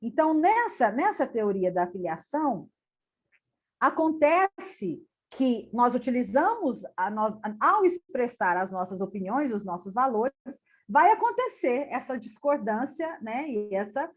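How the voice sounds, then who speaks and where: Lady giving an academic talk on a video call, kinda high voice, lots of stops and repeats. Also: big pitch swings. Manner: halting, with many repeated words and restarts. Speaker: conference lecturer.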